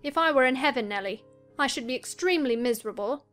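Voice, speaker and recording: A woman playing a willful, troubled young gentlewoman in a dramatized audiobook, earnest and dramatic. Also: high-pitched, lively intonation, fast talker, voice pushed up. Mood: wistful, insistent. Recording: music under the voice.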